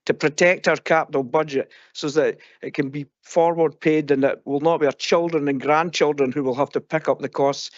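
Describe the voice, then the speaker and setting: A man's voice: medium pitch, no room sound, dull audio. A man who is an elected councillor, giving a formal prepared speech to propose a motion at a council meeting.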